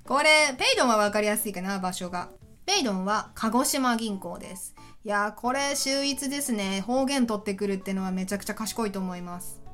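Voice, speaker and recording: A woman's voice: medium pitch, a little fast, fairly bright tone, soft background music. A woman hosting a casual solo podcast, chatty and enthusiastic, often laughing as she talks. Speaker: podcast host.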